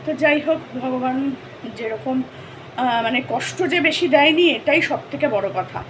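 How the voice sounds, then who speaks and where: An older woman narrating her vlog in a chatty, rambling, soft-spoken voice-over. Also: high-pitched, unhurried, low-quality recording. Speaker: vlogger. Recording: noticeable background noise.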